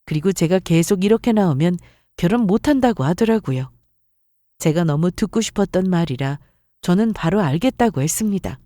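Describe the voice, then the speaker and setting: A woman narrating a listener's story in the first person, expressive and scripted. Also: mid-range voice, dry recording, clean studio sound.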